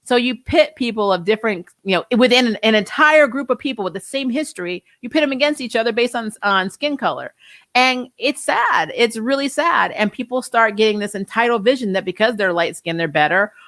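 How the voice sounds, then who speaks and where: A woman's voice: a little high, animated, a little fast, a bit bright, dry recording. A woman in her forties chatting casually as a host, answering viewer comments. She rambles, gets heated and laughs often. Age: 40s. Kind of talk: casual livestream chat.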